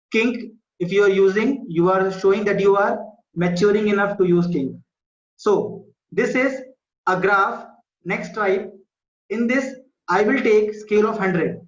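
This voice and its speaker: High-voiced South Asian male teacher, echoey. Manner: repetitive, checks understanding with short questions. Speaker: school maths teacher. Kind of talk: live online class lesson, explaining step by step. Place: indoor room, online video class. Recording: muffled, echoey online class audio.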